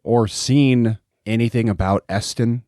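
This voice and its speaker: A man's voice: mid-range voice, fairly even intonation, unhurried, dark tone, no echo, studio quality, natural voice. A man voicing a chummy, wry adventurer in a casual, conversational way during a tabletop game. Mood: wry, matter-of-fact. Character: chummy, wry male adventurer reuniting with a friend. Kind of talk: in-character tabletop role-play.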